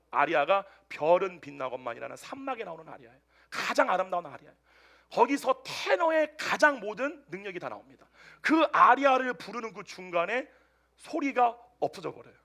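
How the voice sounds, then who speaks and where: Bright, lively-voiced male pastor preaching. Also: high voice. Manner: animated storytelling, swinging between loud outbursts and hushed asides. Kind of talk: Sunday sermon. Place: church service with a congregation answering amen.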